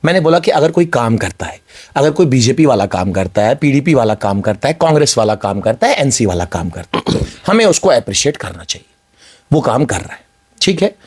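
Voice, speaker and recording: A man's voice: mid-range voice, very animated, a little fast, husky. A man from Kashmir arguing as a panelist in a heated TV debate, insistently asking others to hear him out. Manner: insistent, talks over others with repeated pleas to listen.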